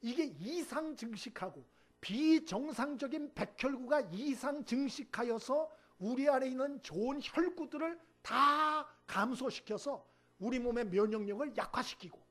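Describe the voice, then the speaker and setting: Husky pastor preaching animated sermon. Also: male voice, very high-pitched, moderate pace. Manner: animated storytelling, acts out quoted speech, asks the congregation "응?".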